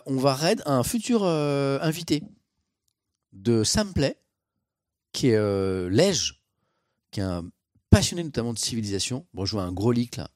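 A man's voice: lowish voice, darkish tone, dry recording, clean studio sound. Theatrically exasperated streamer, man. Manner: theatrical mock exasperation, swearing. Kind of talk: casual live-stream chat.

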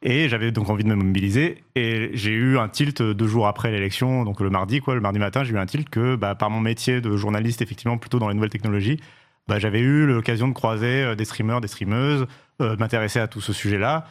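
A man's voice: on the low side, quick pace. A man in his thirties, a journalist, talking through his reasons in a political discussion, with many fillers and restarts. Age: 30s. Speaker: journalist and campaign organizer.

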